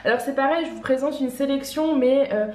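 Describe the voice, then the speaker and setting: A woman's voice: high voice, a little fast, darkish tone, reverberant, low-quality recording. A woman with a slight cold, chatting casually as she presents outfits from her clothing shop, with frequent fillers and restarts. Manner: chatty, many fillers and restarts, light laughs. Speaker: online clothing shop owner. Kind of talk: casual fashion try-on vlog.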